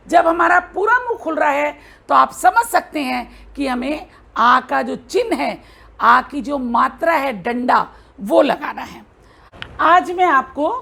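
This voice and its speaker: A woman's voice: sits high, gravelly, fairly bright tone. A woman teaching a Hindi lesson to children, patiently drawing out and repeating each sound as she demonstrates.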